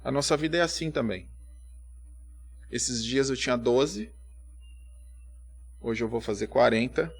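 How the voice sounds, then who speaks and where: A man, giving a conversational church sermon full of rhetorical questions, rising to loud emphatic peaks and dropping to quiet asides. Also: mid-range voice, unhurried, pauses often, slightly rough, soft background music. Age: 30s. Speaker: preacher.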